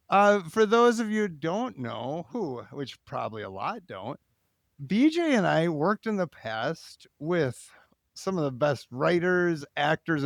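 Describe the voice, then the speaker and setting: A man's voice: a little high, gravelly, dry recording, clean studio sound. A man hosting a podcast interview in a casual, chatty way, thinking aloud as he goes. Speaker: podcast host.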